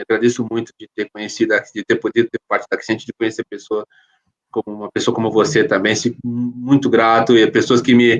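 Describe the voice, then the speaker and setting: The delivery runs at a fairly quick pace with big swings in loudness. The sound is dry and close, with no echo. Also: man. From Brazil, São Paulo area. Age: 40s. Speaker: business executive. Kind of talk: interview conversation.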